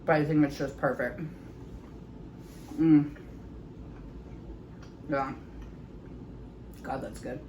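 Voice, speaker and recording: A woman in her thirties chatting casually in her home kitchen as she tastes her food, often pausing to savor it with soft hums. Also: low voice, steady tone, muffled recording, a little hiss or hum. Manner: chatty, savoring bites with frequent mm sounds. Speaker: home cooking vlogger. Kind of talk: casual chat while tasting food.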